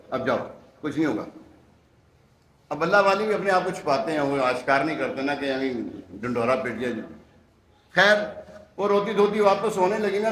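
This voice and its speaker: A man's voice: on the high side, a bit bright, reverberant, a little hiss or hum. A man giving a religious sermon, telling stories and acting out the quoted lines with emphatic rhetorical questions. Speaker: preacher. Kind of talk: Urdu religious sermon with storytelling.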